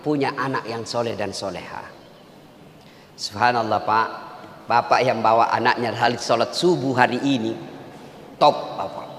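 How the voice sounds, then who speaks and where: A man preaching a humorous sermon, emphatic and joking, sometimes raising his voice to a shout. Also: mid-range voice, fairly even intonation, moderate pace, long pauses, a little hiss or hum. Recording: long hall reverb.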